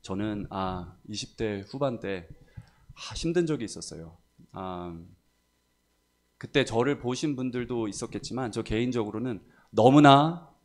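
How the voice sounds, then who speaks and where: A middle-aged male pastor preaching a sermon, dramatic and rising to loud, impassioned pleading. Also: mid-range voice. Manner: dramatic, climbing to loud impassioned pleading when voicing quoted prayers. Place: church.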